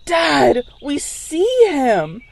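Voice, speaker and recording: A woman playing an excitable young daughter in a radio drama, exclaiming dramatically. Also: sits high, very slow, gravelly, a little hiss or hum, heavily acted. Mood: frightened. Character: excitable young daughter, frightened and awed in the woods.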